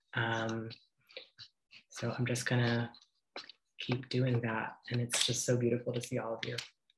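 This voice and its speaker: Over noticeable background noise, a man talks at a moderate pace with monotone, flat intonation and long, frequent pauses. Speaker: poet. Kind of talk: reading aloud. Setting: video call. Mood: calm, soft, grateful. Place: home room. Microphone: webcam.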